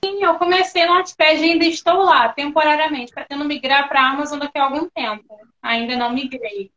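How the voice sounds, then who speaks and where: A woman from Porto Velho talks as the guest of a live-stream interview, chatty, expressive and quick to poke fun at herself. Her voice sits high. The sound is dull and muffled, like a lo-fi line. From Porto Velho, Rondônia, Brazil. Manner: chatty, expressive, self-deprecating. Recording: dull lo-fi audio.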